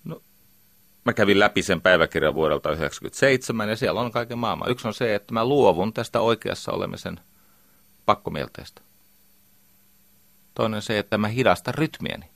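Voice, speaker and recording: A man's voice: lowish voice, creaky, long pauses, a bit bright, no echo. A middle-aged man giving a lecture as a communication trainer, emphatic and full of rhetorical questions.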